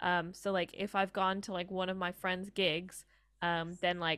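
In a very clean recording with a silent background, a woman with an American accent speaks at a moderate pace in a medium-pitched, bright, sharp tone, her intonation monotone and flat. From Colorado, US. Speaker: podcast co-host, college student. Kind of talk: casual chat. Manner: casual, filler-heavy 'like'.

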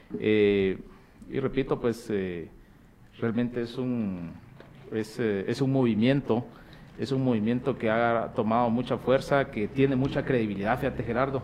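Pausing long and often, a man speaks at a fairly slow pace with medium pitch and fairly even intonation. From Guatemala, Jutiapa. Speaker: panelist, community organizer. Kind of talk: panel discussion.

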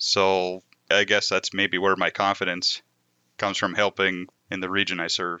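In an American accent, a man with a very deep, low pitch speaks at a moderate pace in a monotone, flat way. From US Upper Midwest, Red River Valley near Fargo-Moorhead, Minnesota side. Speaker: agronomist. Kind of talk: interview.

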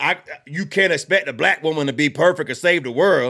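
A man with a Southern US accent and a bright, sharp tone, on a very clean recording with a silent background. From US South, Georgia. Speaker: political podcast host. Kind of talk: political commentary livestream. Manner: animated.

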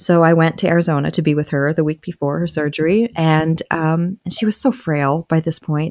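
A woman with an American accent and a fairly low pitch. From Delaware, US. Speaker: memoirist and singer-songwriter. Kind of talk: interview testimony. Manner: halting.

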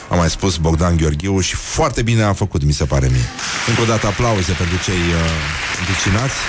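Amid crowd noise and audible room echo, a man with a very deep, low pitch speaks at a moderate pace with lively intonation and very even loudness. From Sălaj county, Romania. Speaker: morning radio show host. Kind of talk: casual chat.

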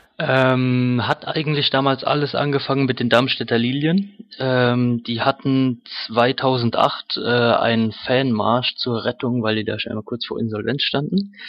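At a fairly slow pace and with hardly any pauses, a man with a normal speaking voice talks in a medium pitch with ordinary pitch variation. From southern Hesse, Germany (near Darmstadt). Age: 20s. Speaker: football fan club member. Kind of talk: casual interview.

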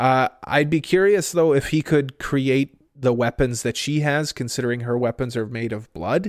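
A man with a medium pitch and ordinary pitch variation speaks with hardly any pauses, in a very clean recording with a silent background and a dry, close sound with no echo. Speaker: anime podcast co-host. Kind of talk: casual chat. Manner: slow; pauses while thinking.

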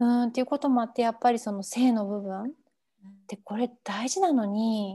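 Fairly quick and somewhat breathy, a woman's voice runs fairly high with ordinary pitch variation. Its tone is dark and mellow. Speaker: sex coach. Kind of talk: interview.

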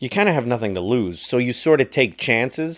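The very clean recording, with a silent background, captures a man with an American accent. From San Diego, California. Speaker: humorist and comedy writer. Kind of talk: interview. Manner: fast.

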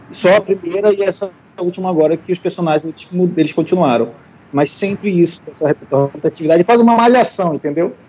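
There is noticeable background noise. A man talks at a high pitch with ordinary pitch variation. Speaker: RPG player, debate guest. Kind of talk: casual debate.

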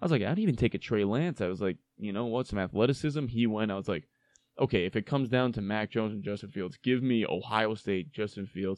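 A man with an American accent, fairly low in pitch, very fast, with ordinary pitch variation over a quiet background. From small-town US. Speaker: sports podcast host. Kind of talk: casual chat. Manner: animated.

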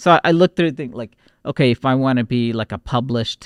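On a very clean recording with a silent background, a man with an American accent talks. He has a normal speaking voice, a fairly quick pace and ordinary pitch variation. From Texas. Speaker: emergency physician and meditation trainer. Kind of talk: casual interview.

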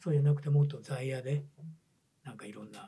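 Somewhat breathy, a man speaks at a fairly high pitch and a fairly quick pace. His tone is dark and mellow. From Kumamoto, Japan. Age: 60s. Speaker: satsuma biwa musician. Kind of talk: interview.

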